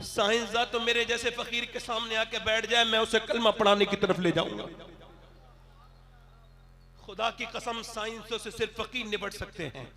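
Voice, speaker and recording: Male Muslim preacher, rally-style sermon oratory, very high-pitched with a gravelly edge, commanding and exhorting his listeners. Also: little pitch movement, normal speed, crowd noise. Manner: swings between hushed storytelling and loud shouted declarations. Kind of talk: impassioned sermon oratory to a congregation, like a rally speech.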